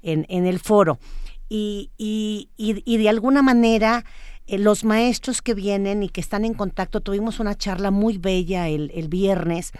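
A woman interviewing a guest, speaking haltingly and with enthusiasm. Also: mid-range voice, a little mellow, clean tone, dry recording, studio quality. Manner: halting, many fillers and restarts, enthusiastic. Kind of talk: interview, hesitant chat.

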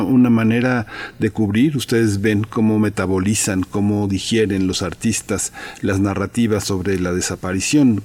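A man interviewing a guest on the radio, asking measured, formal questions. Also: on the low side, darkish tone.

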